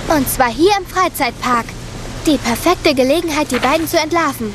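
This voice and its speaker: A high, bright-voiced little girl who schemes and gives orders in a cartoon dub, voiced by a woman. She talks bossily and conspiratorially, pushing her plan. Her tone stays insistent. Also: normal speed, background noise, lightly acted. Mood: scheming. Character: scheming excitable young girl, little sister. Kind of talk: cartoon dubbing.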